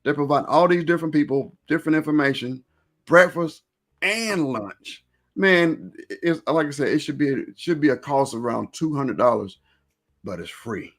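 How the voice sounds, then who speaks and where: A man's voice: a little high, lively intonation, moderate pace, fairly bright tone. A man hosting a live stream, chatting informally and rambling a little as he repeats and reworks his phrases. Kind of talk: casual interview chat with event plugs.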